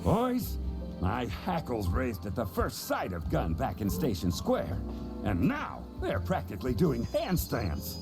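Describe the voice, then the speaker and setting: An actor playing a bold, cocky crocodile detective boss in a theatrical hardboiled cartoon audio drama. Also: male voice, medium pitch, wildly swooping pitch, a little slow. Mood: bold, determined. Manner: theatrical, swaggering. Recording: loud music behind the voice. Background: music.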